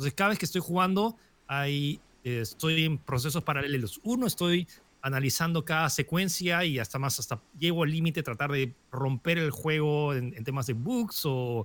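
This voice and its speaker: Moderate pace and fairly high pitch from a man in a normal speaking voice. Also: lively intonation. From France. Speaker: video game critic. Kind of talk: interview.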